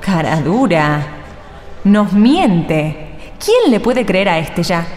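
A woman's voice: on the low side, sing-song, drawn-out words, darkish tone, echoey room, big-room sound, heavily acted. An Argentine woman playing an indignant, distrustful villager in a radio drama, scornful and confrontational. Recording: music behind voice.

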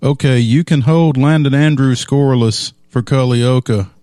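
A man co-hosting a local sports radio show, easygoing and unhurried, with plenty of ums. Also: medium pitch, warm tone, no room sound, studio quality. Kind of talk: casual sports talk radio.

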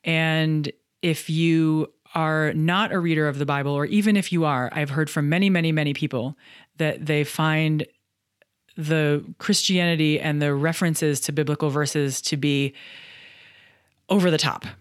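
A woman's voice: low-pitched, steady tone, measured pace, smooth, no echo, clean studio sound. A middle-aged woman hosting a solo podcast, talking through book reviews in a candid, chatty way with some self-deprecating humor. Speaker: podcast host and coach.

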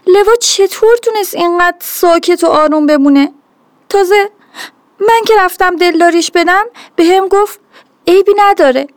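Give me a woman playing a distressed young schoolgirl, high-pitched and pleading. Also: no room sound, clean studio sound.

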